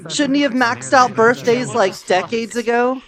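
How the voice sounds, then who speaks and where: A woman chatting casually while roleplaying in a social VR game, with a drawn-out, playful delivery. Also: on the high side, a crowd in the background. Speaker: roleplay streamer.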